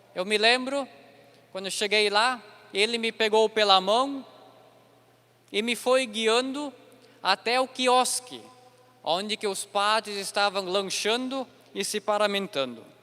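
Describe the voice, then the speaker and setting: Raised and projected, a man's high-pitched voice moves at a fairly slow pace with ordinary pitch variation and long, frequent pauses. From southern Brazil, Paverama (Rio Grande do Sul). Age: 20s. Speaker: seminarian. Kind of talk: homily.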